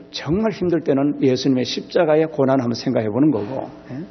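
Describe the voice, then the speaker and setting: A man preaching a revival sermon as pastor, emphatic, swinging between loud exclamations and soft low asides. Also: slightly rough, big-room sound, dull audio. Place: church sanctuary.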